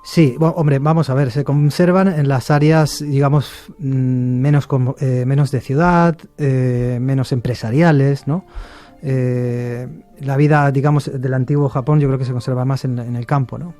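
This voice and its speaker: A middle-aged man from Argentina, a shakuhachi musician, talking in a relaxed interview with many fillers and restarts. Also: mid-range voice, normal speed, faint music behind.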